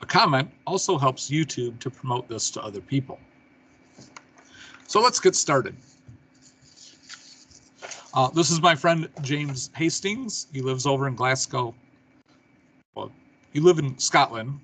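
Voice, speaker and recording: A middle-aged man hosting an online talk show. His voice is somewhat husky and mid-pitched. He speaks in an easygoing, friendly manner with casual fillers. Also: lively intonation, unhurried, long pauses, a bit bright, rough recording. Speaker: show host.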